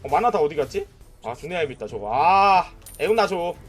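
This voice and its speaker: A man streams a mobile game with excitable live commentary, cheering, shouting at enemies, and trash-talking with frequent "nice" and "that's it." His voice is a little high and fairly quick, with faint music in the background.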